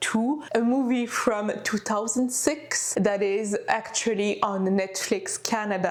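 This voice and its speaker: A woman's fairly high voice at a very slow pace, with fairly even intonation and noticeable background noise. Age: 20s. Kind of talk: casual movie analysis talk to camera.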